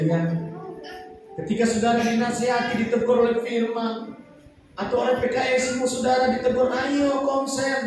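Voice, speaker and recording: High-voiced preaching man in echoey church. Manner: emphatic preaching, swinging between loud, sing-song lines and low, quiet ones. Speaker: pastor. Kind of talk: sermon. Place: church sanctuary. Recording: very echoey hall, voice far from the mic.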